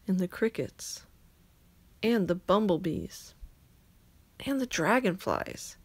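A woman reading a children's picture book aloud in a gentle read-aloud manner. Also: medium pitch, no room sound. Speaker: storybook reader.

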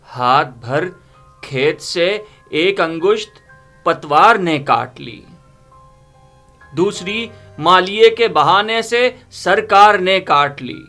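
Bright-voiced man reciting poetry dramatically. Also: sits high. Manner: theatrical, solemn, deliberate phrasing with repeated lines. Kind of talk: dramatic reading of Urdu poetry. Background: background music.

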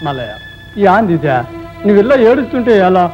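An actor playing a blunt villager who chides a mourner in a brusque way. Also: male voice, high voice, very animated, brisk, over music. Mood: chiding. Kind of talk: 1970s Telugu film acting. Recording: dull old film soundtrack.

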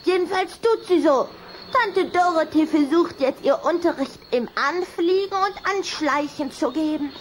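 High, girlish little vampire girl. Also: expressive, a little slow, slight background noise, low-quality recording. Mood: scornful. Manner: playful, gossipy. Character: little vampire girl, chatty, teasing, a bit jealous. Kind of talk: children's radio play acting.

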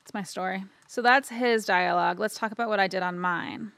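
A woman narrating a casual, informal software tutorial, explaining step by step and checking in as she goes. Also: medium pitch, brisk, creaky, no echo. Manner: informal, explanatory, frequent "right?" tags. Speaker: audio editing instructor.

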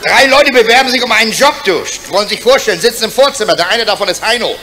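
A man's voice: sits high, lively intonation, noisy background. A man telling one joke after another as a stand-up comedian, tagging lines with "du" and "hä?". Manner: fast joke after joke, punctuated with "du" and "hä?".

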